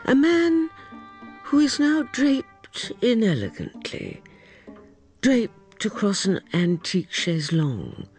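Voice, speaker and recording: Brief: theatrical male narrator, hugely swooping, slow, soft music under. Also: high voice, huge pitch swings. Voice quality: flamboyant, arch storyteller.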